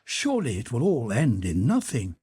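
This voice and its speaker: A man voicing a husky, desperate young nobleman. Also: medium pitch, huge pitch swings, normal speed, dark tone, no room sound, studio quality, heavily acted. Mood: anguished. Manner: anxious pleading inner questioning. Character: young male nobleman gambler, desperate, proud.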